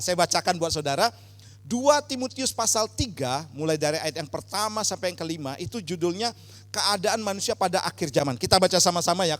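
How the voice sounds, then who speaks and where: A man's voice: high-pitched, a bit bright. A male pastor preaching a sermon with emphatic swells on key words and frequent rhetorical address to the congregation. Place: church sanctuary. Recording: church hall reverb.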